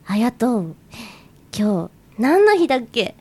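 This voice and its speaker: A woman voicing a cocky, brusque schoolboy who talks roughly and mumbles low in a drama scene. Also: big pitch swings, slow, warm tone, heavily acted. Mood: gruff.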